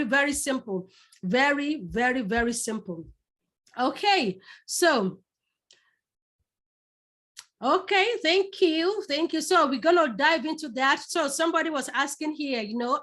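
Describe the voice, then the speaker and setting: A middle-aged woman from Nigeria with a Yoruba accent leads a public speaking masterclass, talking straight to her audience. Her voice sits high, and she stresses her points by repeating words several times over. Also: a bit bright. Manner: repeats words for emphasis, addresses the audience directly. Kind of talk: live online masterclass.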